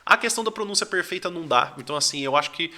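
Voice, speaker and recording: A man's voice: a little high, expressive, rapid-fire, sharp tone. A young Brazilian man teaching English, talking in a casual, conversational way full of fillers. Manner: conversational, lots of fillers like "tipo assim". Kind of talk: casual talking-head lesson.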